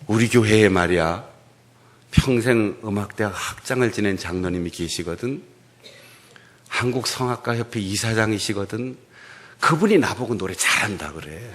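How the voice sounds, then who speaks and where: A male pastor giving a humorous, animated sermon in a church, playing with regional dialects. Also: lowish voice. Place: church sanctuary.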